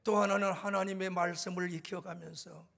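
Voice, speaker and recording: An older man preaching a sermon in a church, telling stories and rising to loud, emphatic climaxes. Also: high-pitched, flat delivery, moderate pace, gravelly. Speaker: guest preacher, university president. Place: church sanctuary.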